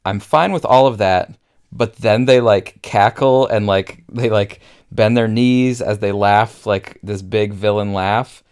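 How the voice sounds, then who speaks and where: A man's voice: fairly low pitch, unhurried, a little mellow, smooth. A man co-hosting a podcast, chatting casually and enthusiastically about a movie with frequent fillers. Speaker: podcast co-host. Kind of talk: casual film discussion.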